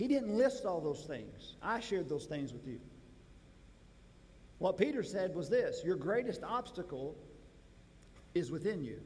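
With big pitch swings and long, frequent pauses, a man talks at a fairly slow pace in a slightly mellow tone, high-pitched for a man, with audible room echo.

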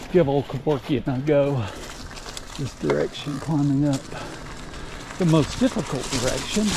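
The speech moves at a moderate pace, and the dry sound has no echo but noticeable background noise. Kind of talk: casual ride commentary. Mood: frustrated self-critical. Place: forest. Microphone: helmet.

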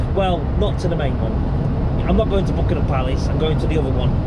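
Loud background noise surrounds a man while he talks. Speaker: lorry driver vlogger. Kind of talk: casual vlog chat. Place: car. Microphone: camera far.

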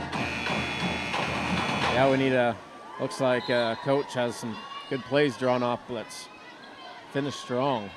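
At a very slow pace, a man with an American accent speaks over clear background music, the sound dry with no echo. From Utah, US. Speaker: color commentator. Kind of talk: live color commentary at a high school basketball game. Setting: courtside broadcast booth at a high school gym. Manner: casual, conversational analysis. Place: hall. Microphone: headset.

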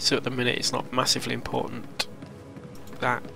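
Music sits in the background. A man speaks at a moderate pace. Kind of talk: gameplay commentary. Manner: casual, hesitant.

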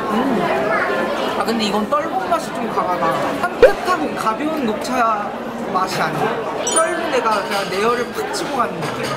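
A man at a fairly slow pace, with crowd noise in the background. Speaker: food vlogger. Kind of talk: casual vlog chat.

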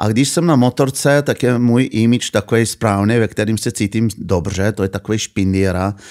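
The man talks at a moderate pace with hardly any pauses and very even loudness. His pitch varies in an ordinary way against a quiet background. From Slovenia. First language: Slovenian (speaking Czech). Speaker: motorcycle traveller; podcast guest. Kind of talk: casual interview. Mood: relaxed, amused storytelling. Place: studio. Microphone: studio mic.

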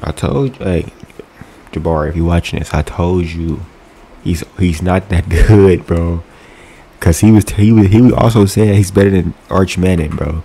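This man has a very deep, low voice with ordinary pitch variation. He talks at a moderate pace. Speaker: sports reaction YouTuber. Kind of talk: casual game-highlight reaction commentary. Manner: animated, laughs often.

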